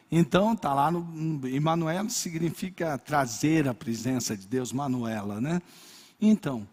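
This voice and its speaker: An older man with a Brazilian accent preaching a sermon, telling personal stories in a lively way and acting out little scenes. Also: a little high, in a large hall. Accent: Brazilian Portuguese. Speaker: pastor.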